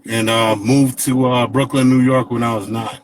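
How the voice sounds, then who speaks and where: A man's voice: mid-range voice, moderate pace. Jamaican-born man reminiscing, laid-back. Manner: relaxed, rambling, many fillers and "you know what I mean". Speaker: guest DJ. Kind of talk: casual interview storytelling.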